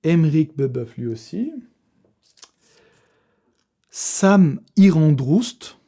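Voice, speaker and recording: Young male vlogger, mellow tone, casual, slangy delivery with swearing. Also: a little high, lively intonation, very slow, slightly rough. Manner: slangy, swearing, chatty, laughs often. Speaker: fitness youtuber running a giveaway draw. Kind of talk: casual vlog talk to camera.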